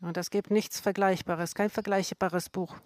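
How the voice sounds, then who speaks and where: A woman co-hosting a Christian program, explaining her faith earnestly in a slow, careful way and often correcting herself mid-word. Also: medium pitch, steady tone, a little mellow, no echo.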